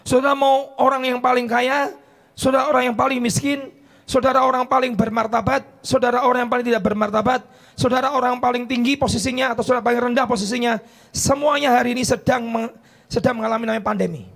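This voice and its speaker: A middle-aged male pastor preaching a sermon in church, mixing in English phrases and rising to shouts. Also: very high-pitched, steady tone, fast talker, vocal fry.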